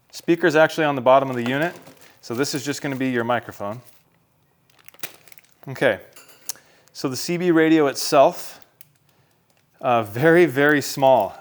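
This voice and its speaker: An American man talking casually to viewers as a vlogger, in an unboxing and how-to style. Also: mid-range voice. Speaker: vlogger reviewing a product.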